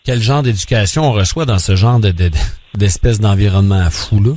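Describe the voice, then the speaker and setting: A man's voice: on the low side, fairly quick, a little mellow. A man with a Québécois accent hosting a radio morning show, asking his guest conversational questions with some hedging fillers. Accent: Québécois French. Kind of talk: radio interview.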